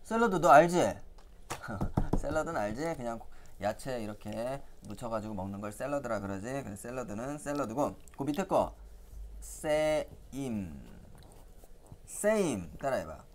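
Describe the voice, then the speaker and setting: A man teaches English words to young children in a playful lesson. His pitch sits mid-range for a man, and he talks in a cheerful, coaxing way, asking quiz questions with frequent chuckles. A faint hiss sits behind his voice. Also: expressive, moderate pace.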